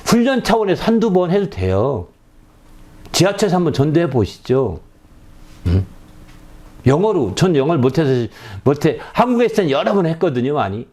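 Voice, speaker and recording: A middle-aged male pastor giving a revival sermon in a conversational style, often checking in with the congregation and rising to loud cries at emotional peaks. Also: sing-song, moderate pace. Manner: conversational preaching with frequent "예?" check-ins to the congregation; rises to loud high-pitched cries when acting out repentance.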